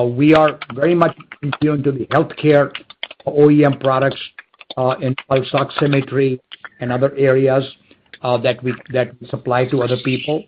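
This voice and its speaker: A man speaking as a company executive, giving unscripted answers on a dull, slightly noisy conference call. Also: mid-range voice. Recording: dull call audio with clicks, typing noise.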